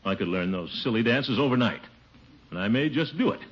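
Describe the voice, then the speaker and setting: An actor playing a vain, blustery middle-aged bachelor uncle in a 1950 radio comedy, full of self-satisfied chuckles. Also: male voice, medium pitch, lively intonation, a little fast, natural voice. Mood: pompous. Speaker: lead character of a radio sitcom. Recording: scratchy dull old radio broadcast recording.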